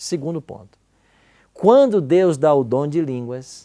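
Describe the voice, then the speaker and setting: A man with a dark, mellow tone and lively intonation is heard on a very clean recording against a silent background. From Brazil. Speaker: Bible teacher. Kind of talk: Bible teaching to a small audience. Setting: with small group of listeners. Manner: conversational, asks the audience questions.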